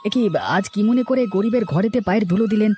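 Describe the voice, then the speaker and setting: A man's voice: high-pitched, quick pace, mellow, natural voice. A man voicing a humble, grumbling village man in a cartoon story. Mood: wary, deferential. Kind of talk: Bengali cartoon story dialogue. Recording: faint music behind.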